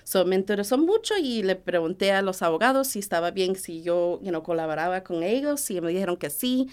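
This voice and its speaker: A woman's voice: mid-range voice, lively intonation, a little fast, darkish tone, smooth. A woman from the United States with a US Latina Spanish accent, chatting as an interview guest and slipping English words into her Spanish. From United States, Hudson Valley. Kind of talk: casual interview conversation.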